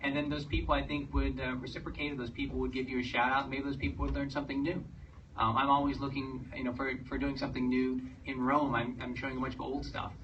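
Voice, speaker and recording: A man's voice: mid-range voice, flat delivery, fast talker, fairly bright tone. A man on a panel, explaining his ideas in a rambling way with many restarts. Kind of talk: panel discussion. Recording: dull, distant, noisy.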